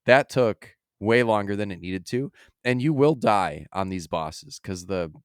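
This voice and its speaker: A man's voice: fairly low pitch, lively intonation, a little slow, smooth, no room sound, clean studio sound. A man co-hosting a podcast, casually discussing video games in a rambling way that often drifts from his thread. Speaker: podcast co-host.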